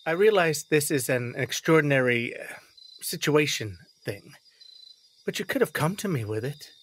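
A man's voice: fairly high pitch, expressive, normal speed, slightly rough. An actor playing a protective, exasperated middle-aged father in an audio drama, stammering and repeating himself. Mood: earnest, stern. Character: flustered, protective, exasperated father of a teenage girl. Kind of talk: naturalistic audio drama acting.

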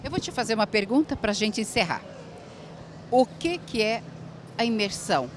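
A woman's voice: a little high, sing-song, moderate pace, noisy background. Chatty middle-aged woman host. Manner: chatty, warm compliments, laughs. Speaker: TV variety show host, interviewer. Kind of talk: casual interview chat. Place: large indoor event hall. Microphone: handheld mic.

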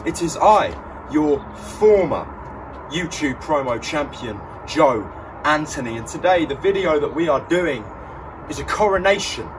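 A young man with a slightly high voice presents like a ring announcer in a wrestling promo, theatrical and declamatory. He is outdoors with clear background noise. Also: animated, unhurried. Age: young adult. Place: outdoors in a back garden. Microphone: camera a few metres away. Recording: distant mic, noisy outdoor ambience.

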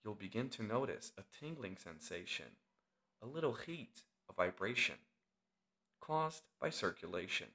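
Guiding a meditation as its instructor, a man speaks in brief, measured phrases with long pauses in between. His lowish voice is expressive, bright and forceful, and his pitch rises and falls freely over a wide span.

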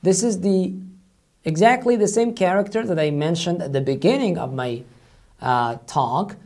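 A man teaching a recorded online language lesson, patient and explanatory, who slowly repeats each sound several times to demonstrate it. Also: sits high, darkish tone.

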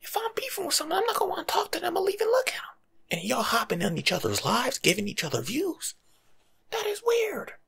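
A young American man giving casual, slangy life-coach advice in an ASMR monologue, breathy and often dropping to a whisper. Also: extremely high pitch, huge pitch swings, fast talker, a bit bright. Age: young adult. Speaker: ASMR video creator. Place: small room at home, indoors.

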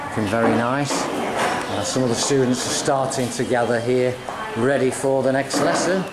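A man making a casual vlog as he walks through a school, talking slowly with many pauses and uhs. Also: mid-range voice, echoey room, loud music behind the voice, poor audio. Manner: slow, chatty, says uh often. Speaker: vlogger filming a school visit. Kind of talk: casual walking commentary.

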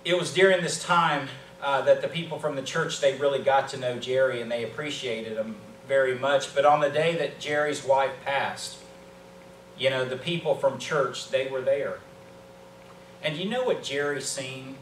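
A man in his fifties with an American accent preaches a sermon earnestly, with emphatic pauses and repetition. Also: medium pitch, fairly bright tone. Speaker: pastor. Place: small church sanctuary, indoors. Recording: roomy, distant mic with background hum.

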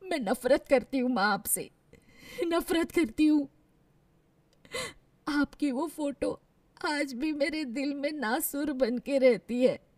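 A woman's voice: high-pitched, takes it slowly, pauses often, darkish tone, dry recording, pitched above the performer's own voice. A woman voicing a grieving, bitter young woman in an audio drama, tearful and pleading as if crying. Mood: bitter hatred. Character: grieving, bitter young woman doctor addressing her dead mother. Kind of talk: dramatic audio story acting.

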